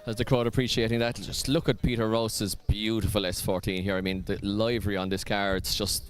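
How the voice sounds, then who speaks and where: A man's voice: lowish voice, little pitch movement, brisk. An Irish man presenting at a drift event, walking the pits and chatting with drivers in an upbeat way. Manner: chatty, upbeat, fills with ums. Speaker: pit lane presenter. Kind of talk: live event pit-walk interviews.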